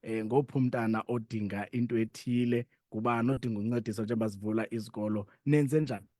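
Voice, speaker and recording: A man's voice: on the low side, fairly even intonation, fast talker, a little mellow, dry recording, studio quality. A man with a South African Xhosa accent hosting a conversational radio interview and putting questions to guests.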